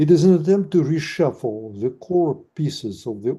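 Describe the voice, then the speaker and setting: In a non-native accent, a man with a fairly high pitch and a dark, mellow tone speaks at a fairly slow pace. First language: not English. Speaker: panelist at academic conference. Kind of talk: conference talk.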